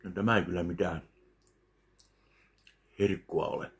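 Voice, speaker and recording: A man with a very low voice full of gravelly fry talks slowly and dryly between bites. He sounds close to the mic, in a small home kitchen. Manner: slow, deadpan, pauses between bites. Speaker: food vlogger. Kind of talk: casual eating review. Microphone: webcam at close range.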